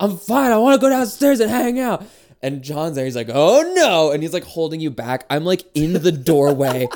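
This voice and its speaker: This man has a high pitch and an animated tone, with very wide pitch swings. He speaks at a moderate pace. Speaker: podcast co-host. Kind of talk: casual chat.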